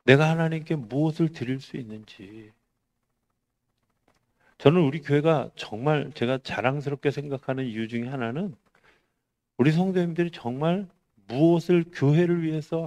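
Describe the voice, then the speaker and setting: Korean male pastor preaching, loud to hushed. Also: fairly high pitch, normal speed. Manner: conversational preaching with rhetorical questions, swings from loud to hushed. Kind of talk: sermon.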